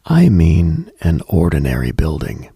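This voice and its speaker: A man hosting late-night radio, delivering a slow, atmospheric monologue in a hushed, deliberate, husky voice that slips toward a whisper. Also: a bass voice, wildly swooping pitch, no room sound, clean studio sound. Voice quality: gravelly, husky, breaking into whisper. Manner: hushed, deliberate, storytelling with pauses.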